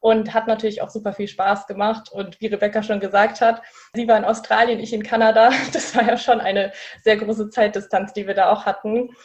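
A woman of twenty co-hosting a podcast in relaxed casual chat, with frequent fillers. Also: mid-range voice, fairly quick, lo-fi sound. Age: 20s. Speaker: podcast co-host.

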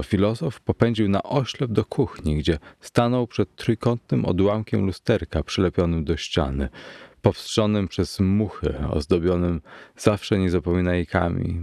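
Brief: deep-voiced man, audiobook narration, measured, dry close sound. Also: vocal fry, a little mellow, no room sound. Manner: measured, deliberate storytelling.

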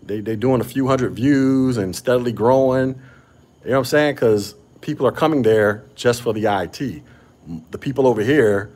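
A man hosting a casual podcast chat, talking with a slight stutter and frequent restarts. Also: lowish voice. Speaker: podcast host. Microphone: podcast microphone.

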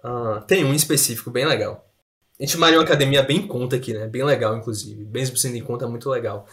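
A man's voice: mid-range voice, fast talker. A man, telling mishap stories in a casual chat and laughing along as he goes. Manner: animated anecdote telling, laughing through stories.

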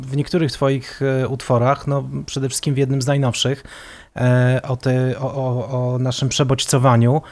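A man, the interviewer, asking measured, probing questions. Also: mid-range voice, little pitch movement, darkish tone.

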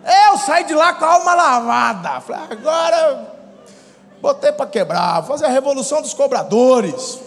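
A man with a Brazilian Portuguese accent, a pastor telling lively stories in a sermon, acting out scenes with shouts and laughter. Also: very high-pitched, moderate pace. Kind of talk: storytelling sermon. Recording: long hall reverb, faint noise.

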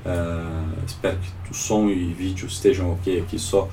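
A Brazilian man gives informal live market commentary in a low, dark voice. He sounds stuffed up and sore-throated, like someone with swollen tonsils and a cold. He is picked up from a little way off the mic. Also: little pitch movement, a little slow. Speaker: host of a live financial morning call. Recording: distant mic with faint background noise.

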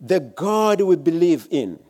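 A man preaching a sermon in short, emphatic phrases, pausing after each one for his interpreter. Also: a little high, sing-song, warm tone. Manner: emphatic, preaching in brief bursts with pauses. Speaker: guest preacher, former missionary.

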